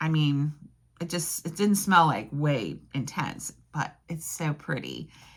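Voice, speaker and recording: A woman's very deep, low pitch with ordinary variation and a bright, sharp tone. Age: 60s. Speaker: perfume reviewer, channel owner. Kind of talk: casual vlog review. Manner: hesitant, many fillers.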